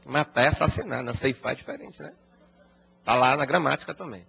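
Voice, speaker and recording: A man giving a storytelling lecture, animated and colloquial with touches of humor, recorded as dull lo-fi broadcast audio. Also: mid-range voice, fairly quick, gravelly, slightly rough. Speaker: spiritist lecturer.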